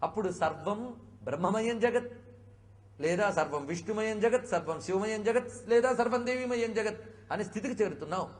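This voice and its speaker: A man giving a devotional discourse, explaining patiently and asking many rhetorical questions, sometimes gently chiding his listeners. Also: high-pitched, animated, normal speed. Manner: chiding, conversational. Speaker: spiritual speaker.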